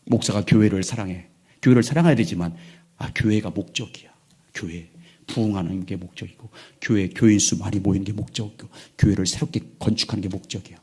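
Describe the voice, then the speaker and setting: A man in his sixties, a pastor preaching a sermon in a church, moving between loud emphatic lines and hushed, near-whispered ones. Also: lowish voice, fairly even intonation, a little fast, husky. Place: church sanctuary.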